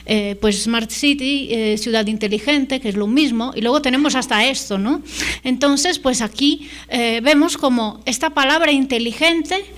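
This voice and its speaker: Italian lady giving a conference talk, kinda high voice, lots of ums and "right?". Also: moderate pace, a bit bright. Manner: hesitant, many fillers and tag questions. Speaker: invited lecturer.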